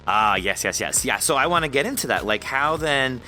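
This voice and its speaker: A man's voice: mid-range voice, lively intonation, fairly quick, bright, forceful tone, faint music behind. A man hosting a podcast interview in casual chat, friendly and rambling with frequent laughs. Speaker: podcast host.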